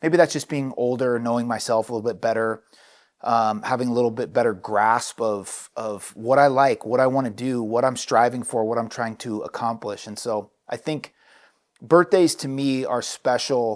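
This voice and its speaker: A man talks at a moderate pace in a medium pitch, with fairly even intonation and an ordinary speaking voice. The recording is very clean, with a silent background. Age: 40s. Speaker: vlogger and executive coach. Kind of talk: casual vlog monologue. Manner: relaxed, conversational.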